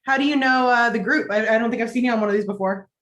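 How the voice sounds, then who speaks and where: A woman's voice: on the high side, very fast, a bit bright, echoey room. A woman chatting informally on a video call, in a loose conversational way with lots of "like". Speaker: table read participant. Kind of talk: casual chat.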